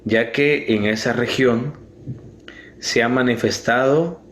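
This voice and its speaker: A young man from Guatemala with a Guatemalan Spanish accent, giving a slow, earnest prepared video statement. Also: fairly low pitch, a little hiss or hum. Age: young adult. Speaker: video speaker.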